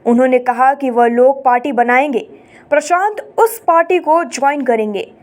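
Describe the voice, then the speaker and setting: A woman news anchor reading a scripted bulletin in a brisk, formal manner. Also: sits high.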